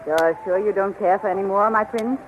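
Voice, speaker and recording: A woman's voice: mid-range voice, fairly quick, close to an everyday voice. An actress playing an imperious, haughty queen with languid delivery in a 1930s radio serial. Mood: coaxing. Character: imperious, haughty alien queen, coaxing and impatient. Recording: tinny, noisy 1930s radio recording.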